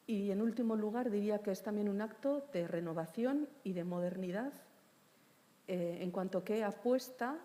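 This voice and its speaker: A woman poet speaking on a panel, measured and hesitant, with many pauses and fillers. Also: medium pitch, warm tone. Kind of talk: panel discussion. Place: large hall with long reverb. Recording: reverberant hall.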